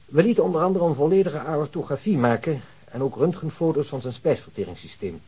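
An actor playing a self-assured hospital doctor in a Dutch radio drama, explaining things in a measured, pedantic way. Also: male voice, on the high side, lively intonation, mellow, husky. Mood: clinical, assured.

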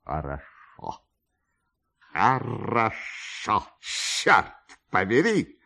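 A man puts on a vain major for a radio story, self-satisfied and smug. His pitch swoops widely from a low base as he exclaims and gloats to himself. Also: wildly swooping pitch, very slow, creaky, bright, forceful tone, full character voice. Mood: pleased. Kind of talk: dramatised literary reading for radio.

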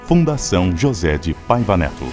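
A man's voice: deep voice, very animated, moderate pace. A man with a Brazilian accent reading formal scripted credits as a radio announcer. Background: prominent music.

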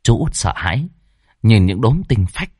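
A man's voice: lowish voice, big pitch swings, moderate pace, a little mellow, husky, no echo. A man telling a horror story in a vivid, dramatic narrating voice.

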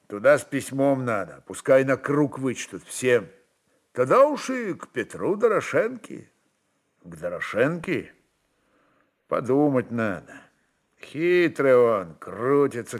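A man's voice: medium pitch, natural voice. A man voicing a cautious, burdened Cossack chieftain with commanding, weighty rustic speech in a dramatized story reading.

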